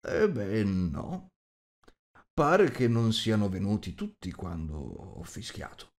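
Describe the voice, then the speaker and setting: A man voicing an old, patient wizard telling a tale in a measured, hesitant, diplomatic way. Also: fairly low pitch, big pitch swings, darkish tone, exaggerated voice. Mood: wry. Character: old wise male wizard, patient storyteller.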